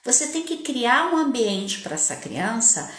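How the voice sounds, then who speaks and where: A woman's voice: a little high, sing-song, a little slow, fairly bright tone, roomy sound. A woman, a mother giving a live talk, who explains earnestly and speaks directly to her listeners.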